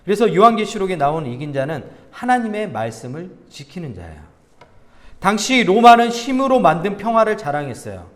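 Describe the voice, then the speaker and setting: A man's voice: high voice, fairly quick. A male pastor preaching a conversational sermon, asking the congregation questions and telling stories. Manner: animated, asks the congregation questions, tells anecdotes with laughter. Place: church sanctuary. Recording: reverberant church hall.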